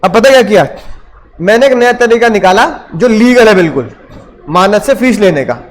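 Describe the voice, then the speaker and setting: Brief: male commerce teacher in a classroom, lively lecture full of rhetorical questions, high voice. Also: moderate pace, a little hiss or hum. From India. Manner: animated, fires rhetorical questions at students.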